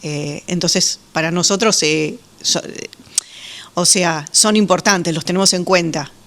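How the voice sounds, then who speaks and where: A woman's voice: lowish voice, measured pace, fairly bright tone. Rioplatense woman explaining with hesitant fillers. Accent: Rioplatense Spanish. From Uruguay, raised in Argentina. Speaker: guest, Muslim women's association representative. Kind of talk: radio interview answers.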